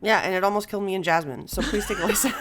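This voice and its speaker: A woman hosting a podcast in casual conversation, telling stories in an animated way with frequent chuckles. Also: mid-range voice, rapid-fire. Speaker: podcast host.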